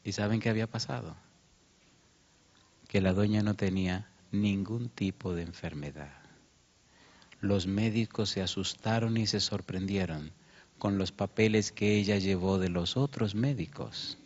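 Male pastor preaching a sermon. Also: measured pace. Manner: emotional storytelling, rising pitch when quoting. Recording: muffled lo-fi sermon recording.

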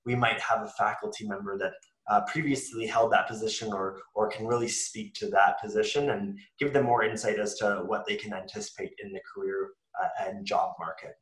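A man's voice: on the low side, fairly even intonation, brisk, a bit bright, reverberant, rough recording. A man hosting a university webinar, talking casually with many fillers and restarts. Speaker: webinar host.

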